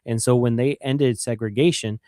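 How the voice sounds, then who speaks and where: Male guest with a Michigan accent, mid-pitched and earnest, repeats himself for emphasis, dry studio sound. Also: fairly even intonation, normal speed, mellow, no echo. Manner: earnest, repeats words when stressing a point. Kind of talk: earnest conversational interview.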